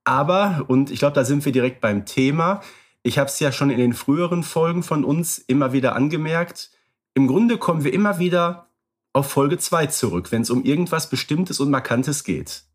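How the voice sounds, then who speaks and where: A man co-hosting a podcast, chatting casually, relaxed and thinking aloud with frequent filler sounds. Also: a little high, normal speed. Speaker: podcast co-host.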